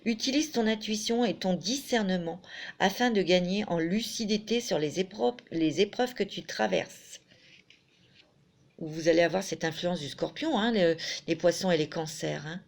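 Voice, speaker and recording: A woman's voice: fairly low pitch, moderate pace, gravelly, darkish tone. A woman doing a tarot and oracle card reading for her viewers, chatting fondly and reading card messages aloud. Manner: chatty, fond, peppered with "hein", reads card texts aloud. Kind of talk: casual spoken card reading.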